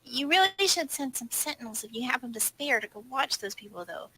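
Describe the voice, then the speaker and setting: Female tabletop player, very high bright voice, casual in-character game talk. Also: expressive, fairly quick, slight background noise, rough recording.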